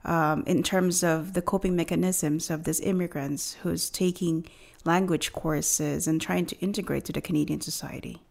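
Woman host, lowish voice, rambling questions. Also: fairly even intonation, moderate pace, gravelly, darkish tone. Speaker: interviewer, host. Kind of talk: interview questions.

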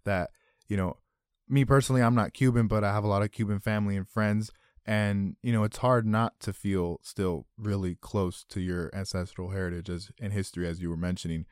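A man's voice: lowish voice, steady tone, a little fast, a little mellow, clean tone, no echo, studio quality. A man from Miami with an American accent, hosting a conversational interview podcast. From Miami, Florida.

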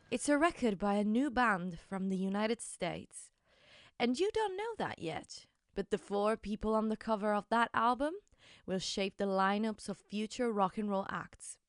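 A woman's voice: mid-range voice, no room sound, clean studio sound. A woman hosting a podcast, telling a scripted story in a conversational way and speaking directly to her listeners. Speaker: podcast host. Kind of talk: scripted storytelling narration with personal asides.

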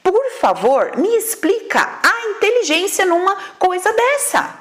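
A woman's voice: very high voice, big pitch swings, measured pace. A woman teaching a class as a therapist, blunt and emphatic, firing off rhetorical questions and swearing casually. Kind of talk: spirited lecture to an audience.

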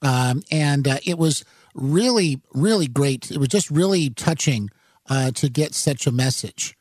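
An animated man hosts talk radio, rambling haltingly about the news into a studio microphone with lots of fillers and self-corrections. His mid-range voice is darkish and slightly rough, and there's no room sound.

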